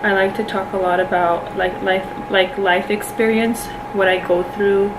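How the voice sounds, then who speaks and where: A woman's medium-pitched voice at a moderate pace, monotone and flat, with very even loudness, audible room echo and noticeable background noise. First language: Spanish. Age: 20s. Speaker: beauty vlogger. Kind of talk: casual chat. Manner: filler-heavy. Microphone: camera mic, no microphone.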